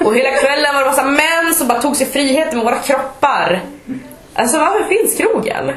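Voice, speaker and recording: A woman, co-hosting a podcast and telling stories in casual chat. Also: sits high. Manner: chatty storytelling, animated retelling. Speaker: podcast co-host. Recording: echoey room.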